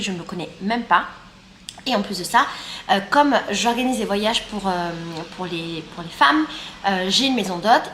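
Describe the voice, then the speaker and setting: A woman's voice: mid-range voice, fairly bright tone, a little hiss or hum. A woman in her thirties from France, chatting casually in a vlog while eating breakfast. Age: 30s. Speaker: YouTuber and guide. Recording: roomy sound with faint ambience.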